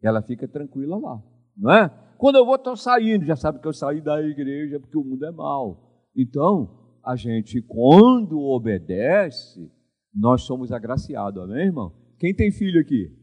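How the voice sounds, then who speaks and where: An older man, preaching a sermon as pastor and often asking the congregation for an amen. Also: a little high. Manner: animated preaching with frequent call-and-response questions to the congregation.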